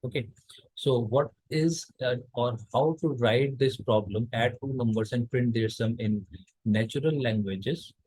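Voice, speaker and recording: A man from India gives a recorded college lecture at a middle pitch. He explains each step patiently, often pausing on fillers and restarting his sentences. The recording is dry and close, with no room sound. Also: darkish tone, husky, no room sound, poor audio.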